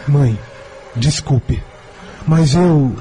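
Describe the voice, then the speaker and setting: A man's voice: fairly high pitch, drawn-out words, mellow, a little hiss or hum. A young man playing a reluctant, evasive but dutiful son in a radio drama, with a Brazilian accent. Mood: reluctant, defensive. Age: young adult.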